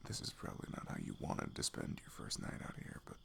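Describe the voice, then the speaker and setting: A man playing a sweet, shyly affectionate best friend in an intimate ASMR roleplay, speaking softly and haltingly, often near a whisper. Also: close to an everyday voice. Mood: tender, earnest. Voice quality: soft, breathy, often dropping to a whisper. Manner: hesitant, halting, chatty and tender. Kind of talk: intimate ASMR roleplay, soft improvised-sounding talk.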